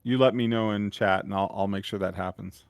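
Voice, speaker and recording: A man acting as game master on a streamed tabletop game, explaining with many pauses and fillers. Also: fairly low pitch, fairly even intonation, smooth, dry recording. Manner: hesitant, filler-heavy explaining.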